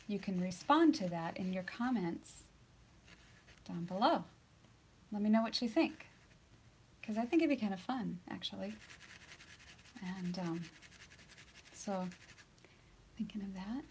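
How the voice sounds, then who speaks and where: A woman painting instructor giving a live painting demonstration, chatty and laughing often, sometimes dropping to a soft near-whisper as she works, in a studio surrounded by lights and cameras. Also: mid-range voice, lively intonation, measured pace, pauses often, a little hiss or hum.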